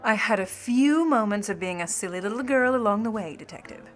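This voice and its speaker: A woman's voice: medium pitch, expressive, brisk, faint music behind, lightly acted. A woman playing a cool, sly, condescending Hollywood starlet and jewel thief with syrupy politeness in a noir radio play. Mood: cool, cutting.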